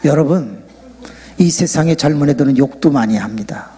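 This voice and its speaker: A man preaching a lively revival sermon in a large church sanctuary, joking and leading the congregation in loud shouted prayers. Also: fairly high pitch, normal speed, a little hiss or hum. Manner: jokey, animated, leads the crowd in loud shouted prayer. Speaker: pastor. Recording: long reverb of a big church hall.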